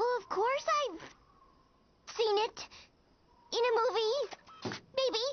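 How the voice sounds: An extremely high-pitched cartoonish character voice moves at a very slow pace with long, frequent pauses.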